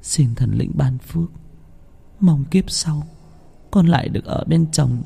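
A man voicing a young grieving wife in a high, soft, sobbing voice. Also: a little slow, vocal fry, breathy edge, heavily acted. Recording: long hall reverb, faint music.

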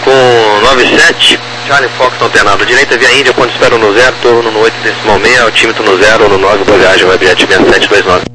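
A man's voice: lowish voice, fairly even intonation, a little fast, rough recording. A Brazilian man giving procedural instructions as a ground controller over air traffic radio. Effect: air traffic radio transmission.

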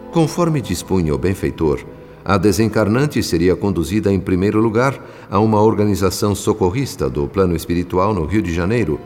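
An earnest spirit narrator of a radio drama. His Brazilian voice is deep and solemn, with formal literary phrasing, a long reverb and soft music underneath.

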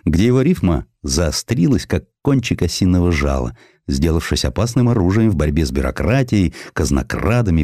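Male narrator for historical audiobook: low voice, very animated intonation, theatrical storytelling, dry close sound. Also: no echo. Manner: expressive, theatrical delivery. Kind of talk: scripted literary narration of a historical essay, with expressive verse recitation.

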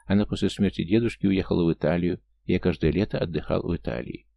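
A man's voice: low-pitched, fast, creaky, dry recording, muffled recording. A man voicing a polite, mild-mannered Englishman who belongs to an old knightly order, in an audiobook. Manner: polite and gentle.

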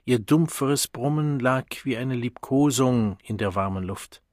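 A man with a husky voice narrating an audiobook in a measured reading manner. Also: mid-range voice, no room sound, studio quality.

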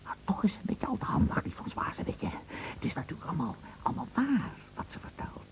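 An actor in a radio drama playing a jealous, scornful husband who talks in a sarcastic, insinuating way with emphatic repetitions. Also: male voice, sits high, big pitch swings, fast talker, whispered. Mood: bitter, scornful. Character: bitter jealous husband, scornful and taunting, set on exposing lies. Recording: dull, noisy old radio play recording.

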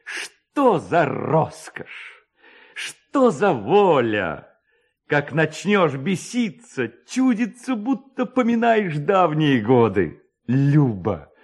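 A man's voice: fairly high pitch, pitched above the performer's own voice, heavily acted. A man voicing a burly, carefree young village rake who exclaims with swagger in a dramatised story reading. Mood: exultant. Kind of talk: dramatised reading of a classic tale.

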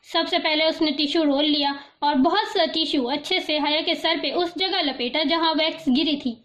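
A woman narrating a novel in a steady, expressive storytelling manner, reading the narration between the characters' lines. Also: sits high. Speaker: audiobook narrator.

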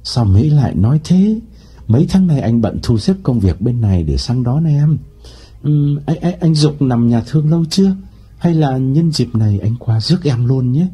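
Man voicing a smooth-talking cheating lover. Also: medium pitch, expressive, normal speed, dark tone. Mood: eager. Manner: eager, stammering sweet-talk. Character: smooth-talking unfaithful man, eager and flustered.

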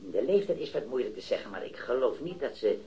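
A low-quality recording captures an actor with a medium-pitched, dark, very animated voice playing an eager robbery witness, a hesitant metal worker in his early thirties, for a 1970s radio drama. He stammers and repeats words, halting along in an unsure, rambling way.

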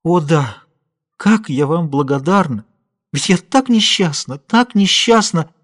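A woman's voice: deep voice, normal speed, voice pushed up, natural voice. A man reading a novel aloud, voicing a distraught young woman who pleads through tears. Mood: tearful. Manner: pleading, sobbing, tearful.

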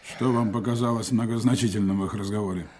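A man's voice: on the low side, steady tone, fast talker, darkish tone, husky. A man acting a cold, commanding spymaster in an audio drama, terse and unsentimental in his clipped speech. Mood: stern, controlled.

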